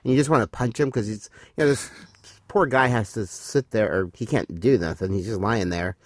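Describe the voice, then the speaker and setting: A man's voice: lowish voice, fairly quick, no echo, studio quality. A man co-hosting a casual podcast, rambling through an episode recap with many fillers. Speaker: podcast co-host. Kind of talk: casual chat reviewing a TV episode.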